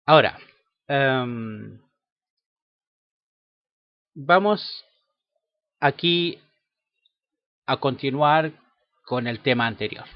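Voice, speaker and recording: A man teaches grammar at a slow, unhurried pace, pausing often with fillers and asking "right?" after his points. His voice is mid-pitched and sits close and dry on the mic. The recording sounds dull and lo-fi. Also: dry recording. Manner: slow and halting, many fillers and tag questions. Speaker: language teacher. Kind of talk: online grammar lesson.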